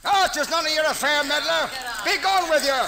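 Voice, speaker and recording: Shrill, gravelly street ruffian. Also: male voice, a little fast. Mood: threatening. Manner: menacing, archaic diction. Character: surly, threatening street ruffian. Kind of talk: old-time costume radio drama acting. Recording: crowd noise behind.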